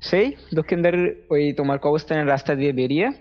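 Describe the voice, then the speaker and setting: Speaking fast, a higher-pitched young man calls in to retell something that happened to him. His casual storytelling is animated and repetitive, wandering along with acted-out quotes, captured in a muffled, dull lo-fi call recording over music.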